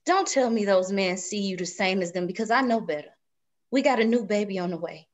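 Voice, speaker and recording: A woman's voice: medium pitch, brisk, lightly acted. A woman reading the part of a worried, stubborn pregnant wife in her thirties, scolding in rural Southern speech in a drama table read. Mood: distrustful, scolding.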